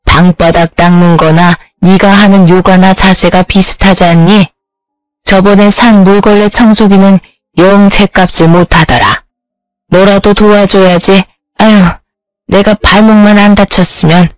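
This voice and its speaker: A woman voicing a demanding, scornful older mother-in-law who talks slowly and cuttingly. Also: medium pitch, fairly even intonation, no echo, close to an everyday voice, rough recording. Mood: guilt-tripping. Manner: slow, cutting, belittling.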